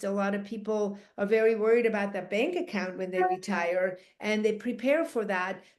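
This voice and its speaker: A woman speaks with a non-native accent at a moderate pace. Her pitch is fairly high, with ordinary variation, and the background is quiet. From Europe. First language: not English. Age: 60s. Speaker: physical therapist. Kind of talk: interview.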